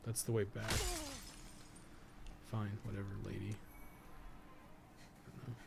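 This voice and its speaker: A man's voice: lowish voice, level tone, a little slow, vocal fry, very noisy. A man doing casual livestream commentary on a video game, rambling and muttering his thoughts aloud as he plays. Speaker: host of a game guide livestream.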